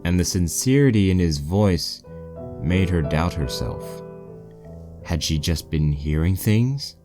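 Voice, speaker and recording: A man's voice: deep voice, animated, slow. A man reading a fan fiction story aloud as scripted narration. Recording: poor-quality mic with music bed.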